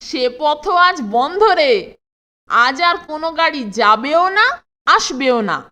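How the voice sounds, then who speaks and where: A woman voicing an adventurous, cheeky boy in a children's cartoon, with an animated, teasing delivery. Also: high-pitched, a little slow, full character voice. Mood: coaxing, upbeat. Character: adventurous, cheeky Bengali cartoon boy, coaxing his pal.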